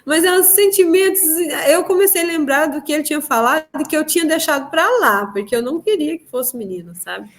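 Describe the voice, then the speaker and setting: A woman telling a personal spiritual testimony in an interview, animated and acting out the dialogue she recalls, with frequent tag questions. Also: sits high, fast, hardly any pauses.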